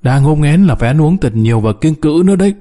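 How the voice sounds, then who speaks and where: A man's voice: a little high, animated, fast, mellow, voice pushed up, lightly acted. A man voicing a kindly, flustered miner near sixty in a story, full of emotion. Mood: anxious, caring.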